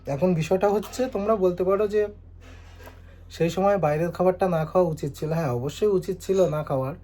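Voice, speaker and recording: A young man calmly explaining and reasoning with viewers in a casual vlog at home. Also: high voice, brisk, a little hiss or hum. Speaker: vlogger, husband. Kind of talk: casual vlog talk replying to comments. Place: home indoors.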